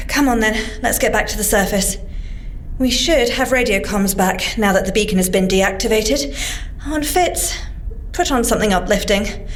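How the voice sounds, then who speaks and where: An actress with a British accent playing an earnest, prim, easily flustered scientist agent in an audio drama. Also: female voice, mid-range voice, normal speed, close to an everyday voice. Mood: brisk, cheerful. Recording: long reverb, faint background noise.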